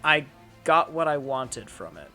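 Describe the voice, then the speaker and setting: Young guy chatting, kinda high bright voice, lots of likes and restarts. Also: unhurried, soft background music. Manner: rambling, animated, frequent restarts and fillers. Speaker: channel host. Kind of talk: casual chat.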